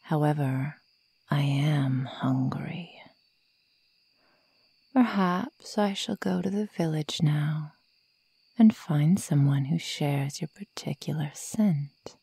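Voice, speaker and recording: A woman playing a sadistic female werewolf toying with human prey in a breathy, menacing, mockingly sweet ASMR roleplay whisper. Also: deep voice, takes it slowly, pauses often, mellow, no room sound, exaggerated voice. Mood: predatory, teasing.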